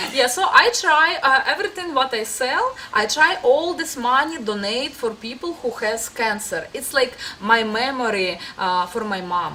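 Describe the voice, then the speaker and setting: A woman speaks at a fairly slow pace in a high, raised and projected voice, with very wide pitch swings, hardly any pauses, and noticeable background noise. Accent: Ukrainian. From Ukraine. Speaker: model and singer. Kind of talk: interview. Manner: halting.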